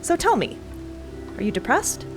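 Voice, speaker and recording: A woman's voice: sits high, big pitch swings, moderate pace, over music, voice pushed up. A woman playing an exasperated, intense female space explorer in an audio drama, blunt and emphatic. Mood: demanding.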